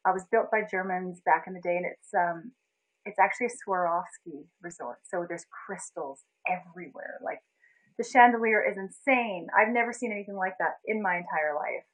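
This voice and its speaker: A woman's voice: on the low side, a little fast, low-quality recording. A young woman from Canada chatting casually on a livestream, telling a story with lots of laughs and greeting viewers by name. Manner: chatty, animated storytelling, laughs often, reads out viewer names. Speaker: livestream host.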